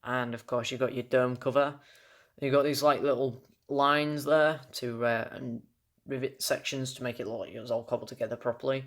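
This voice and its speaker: A young British man talks through a collectible in a casual home-style review. His delivery is unscripted and halting, and he trips on words and restarts them. His voice sits at an ordinary mid pitch for a man. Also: fairly even intonation, fairly bright tone. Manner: halting, stumbles over words and corrects himself. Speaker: toy collector reviewing an item on video.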